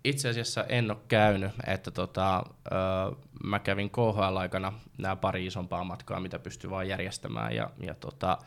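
A man's voice: deep voice, gravelly, fairly bright tone. A man on a fan panel, chatting casually and hesitantly about a trip. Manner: hesitant, many fillers. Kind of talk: casual chat.

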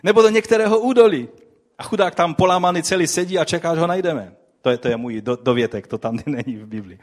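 A man preaching a sermon, telling a story vividly and putting rhetorical questions to his listeners. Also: fairly high pitch. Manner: addresses the audience with rhetorical questions; animated storytelling with swings in loudness.

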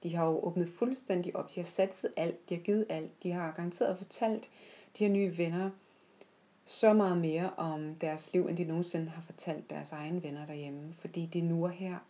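A woman with a soft-edged, mellow voice, pitched a little low. She shares personal reflections without a script, in a heartfelt manner, pausing mid-sentence as she finds her way. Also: fairly even intonation. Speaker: podcast host. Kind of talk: unscripted reflective personal storytelling.

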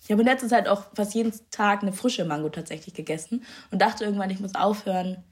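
Husky-voiced young woman, bubbly guest. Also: mid-range voice, quick pace. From Schleswig-Holstein, northern Germany. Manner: bubbly, laughs often, mixes in English slang. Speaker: podcast guest. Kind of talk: casual chat.

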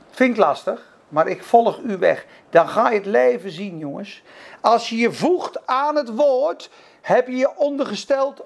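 A man's voice: extremely high pitch, gravelly. A man preaching a sermon, fervent and emphatic, calling out to his listeners. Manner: fervent, emphatic, acts out dialogues.

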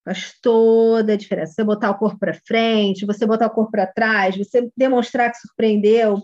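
High-voiced Brazilian woman teaching. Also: normal speed, lo-fi sound. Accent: Brazilian Portuguese. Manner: chatty, animated, addresses students by name. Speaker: kid coach instructor. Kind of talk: online course lesson.

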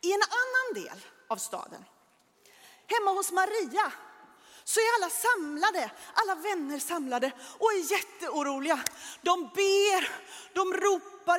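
Woman, high voice, animated children's Bible storyteller, church hall with long reverb.

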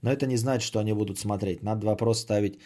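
A man's voice: lowish voice, fairly even intonation, fast, mellow. A man hosting a podcast, chatting casually and sardonically as he answers audience messages, often swearing and repeating phrases. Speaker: podcast host.

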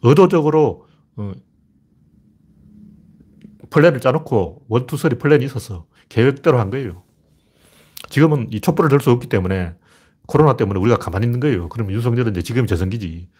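A man's voice: mid-range voice, expressive, fairly quick, long pauses, breathy edge. A middle-aged man hosting a political commentary livestream, talking bluntly and scornfully and getting heated. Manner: blunt, heated and scornful, rising to near-shouting. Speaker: livestream host.

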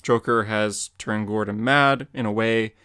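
A man's voice: lowish voice, steady tone, unhurried, sharp tone, clear, resonant tone. A young man co-hosting a podcast, chatting casually and narrating comic book scenes.

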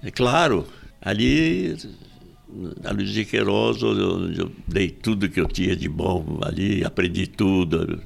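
A man's voice: deep voice, unhurried, vocal fry. A Brazilian man in his nineties, a retired agronomist being interviewed, who repeats himself and tags his sentences with questions. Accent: Brazilian Portuguese. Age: 90s. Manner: tag questions, frequent repetitions and restarts. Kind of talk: casual chat.

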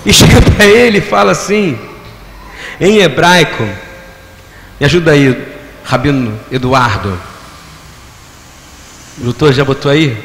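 Male preacher, high voice, interactive call-and-response sermon, long hall reverb. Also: a little slow, vocal fry, long pauses, a bit bright. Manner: interactive, has the congregation repeat phrases; rhetorical questions to the audience. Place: church hall. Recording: echoey hall with long reverb, faint room noise.

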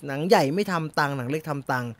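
A man's voice: fairly high pitch, lively intonation, rapid-fire. A man hosting a casual live stream about movie news and reading viewer comments, chatty and loose, muttering to himself as he sorts out his slides. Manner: chatty, laughs and mutters while fixing slides.

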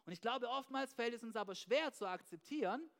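A pastor preaches with energy in a very high, animated voice that is brisk and a bit bright. He often opens phrases with "hey," checks in with "ja?", and mixes in English slang.

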